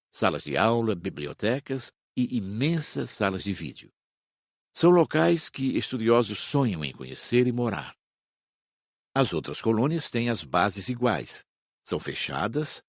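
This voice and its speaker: A man reading an audiobook in a measured, expressive way. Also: fairly low pitch, no echo, clean studio sound. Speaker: audiobook narrator.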